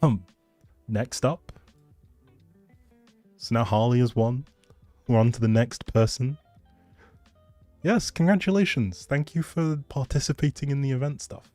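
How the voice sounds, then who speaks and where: A man's voice: mid-range voice, a little slow, long pauses, darkish tone, no echo, soft background music. A man hosting a livestream in a chatty, rambling, informal way, as if talking casually with viewers. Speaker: livestream host. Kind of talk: casual livestream chat, giveaway announcing.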